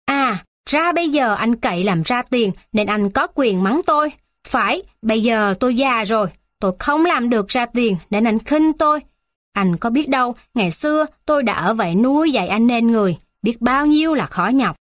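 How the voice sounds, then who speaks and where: Woman voicing old grandma, higher than the narration, reproachful, dry. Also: animated, normal speed, no echo, natural voice. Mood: hurt, reproachful. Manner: pleading, reproachful. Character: old grandmother, remorseful then wounded and tearful.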